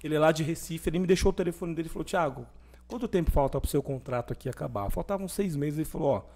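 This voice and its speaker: On a podcast, a young adult man shares how he came to faith, talking rapid-fire in a voice on the high side. He stays animated and imitates the voices of the people he quotes.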